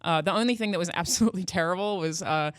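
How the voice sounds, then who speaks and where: A woman's voice: on the low side, quick pace, dry recording, clean studio sound. A woman chatting casually as a panelist on a games show. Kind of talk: casual chat.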